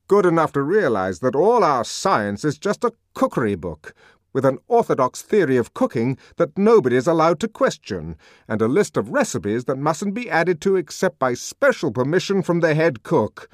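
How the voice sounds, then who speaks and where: A man voicing a powerful older controller who lectures in a measured, sardonic way. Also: a little high, sing-song, no room sound, clean studio sound, voice pushed up.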